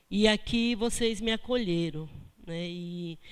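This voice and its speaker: A woman at medium pitch speaks with ordinary pitch variation, and audible room echo surrounds her voice. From São Paulo, Brazil (born in Bahia, moved at five). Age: 40s. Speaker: housing movement activist and worker-school student. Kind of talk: personal testimony.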